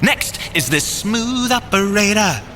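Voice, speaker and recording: An actor playing a boyish, excitable, boastful inventor agent in audio drama banter, with a theatrical delivery. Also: male voice, sits high, takes it slowly, faint music behind, full character voice. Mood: playful, enthusiastic. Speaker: agent and engineer character.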